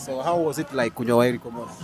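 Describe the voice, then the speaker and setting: A man's voice: medium pitch, very fast, a little mellow, faint music behind. A young Kenyan man hosting a casual street interview outdoors, chatty, mixing Swahili and English slang. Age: young adult. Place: outdoors on a shop front bench.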